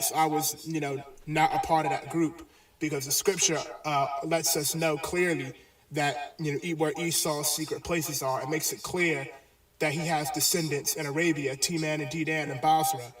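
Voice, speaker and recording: A man giving a bible lesson in a halting way, with many pauses and fillers. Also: fairly high pitch, steady tone, fairly bright tone. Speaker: religious teacher. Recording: echoey, distant video playback.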